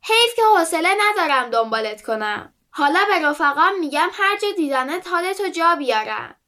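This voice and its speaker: A woman's voice: high-pitched, very animated, bright, forceful tone, full character voice. A woman voicing a boastful, bluffing male donkey in a children's storybook, swaggering as he talks.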